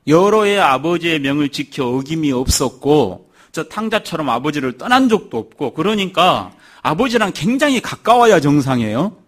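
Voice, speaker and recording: A man's voice: on the high side, very animated, moderate pace, hardly any pauses. A man preaching a sermon, telling a Bible story and acting out the characters' lines. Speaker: pastor.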